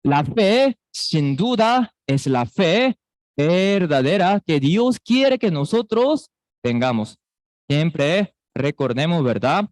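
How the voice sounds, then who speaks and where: Slow, animated Costa Rican preacher man. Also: a little high, no echo, clean studio sound. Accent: Costa Rican Spanish. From Costa Rica. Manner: preaching with rhetorical questions to the congregation; acts out quoted voices, sweet and scolding. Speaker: pastor. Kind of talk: sermon.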